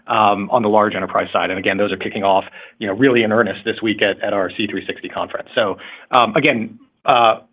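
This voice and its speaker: A man, a company executive, answering questions on an earnings call in a halting way, repeating words. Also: medium pitch. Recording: muffled narrow-band conference call line.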